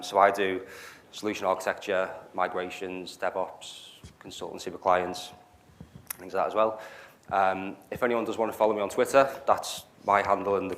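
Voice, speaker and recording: Deep-voiced Liverpool man giving a tech talk. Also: slight background noise. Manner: hesitant, frequent fillers. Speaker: presenter. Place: meetup venue, live audience. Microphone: handheld mic.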